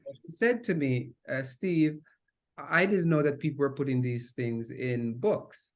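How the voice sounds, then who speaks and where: A man's voice: mid-range voice, measured pace. A middle-aged man from Jamaica with a Jamaican accent, a guest talking through his work with hesitant fillers and restarts. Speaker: conference director, guest. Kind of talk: interview conversation.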